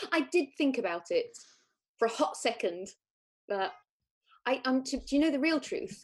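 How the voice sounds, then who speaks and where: A woman talks at a moderate pace in a high voice with very wide pitch swings. She leaves long, frequent pauses against a quiet background. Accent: British. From Britain. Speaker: comedian. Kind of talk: casual chat.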